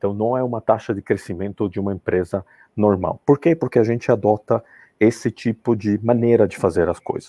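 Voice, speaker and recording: A man speaks with a Colombian accent at a fairly low pitch. His pace is fairly quick, and his pitch varies in an ordinary way. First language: Spanish (speaking Portuguese). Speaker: product and design manager. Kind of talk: webinar talk. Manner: halting, many fillers.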